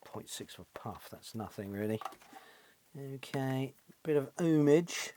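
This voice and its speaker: A middle-aged British man with a mid-pitched voice talks through hands-on repair work in a casual way. He muses to himself as he goes, often turning remarks into little questions. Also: lively intonation, a little slow, warm tone, slight background noise. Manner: musing, thinking aloud with tag questions. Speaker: repair channel host, electronics technician. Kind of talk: casual hands-on workbench commentary. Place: small cluttered indoor electronics workshop.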